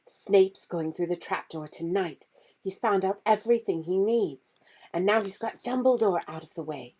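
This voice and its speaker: A woman's voice: medium pitch, moderate pace, voice pushed up, lightly acted. A woman reading aloud voices a determined young teenage boy who speaks with urgent, impassioned force. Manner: urgent, impassioned, rising to shouting.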